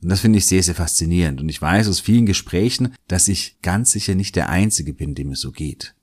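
A man's voice: sits low, expressive, fairly quick. A German-speaking man hosting a solo podcast, talking in a thoughtful, musing way and often repeating words as he weighs his thoughts. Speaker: podcast host. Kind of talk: reflective solo podcast monologue.

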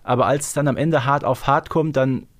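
Male co-host, middle pitch, chatty fan-talk style, tags remarks with little questions. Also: fairly even intonation, fairly quick. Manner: chatty, seeks agreement with tag questions. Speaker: podcast co-host. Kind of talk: casual fan discussion of an audio drama.

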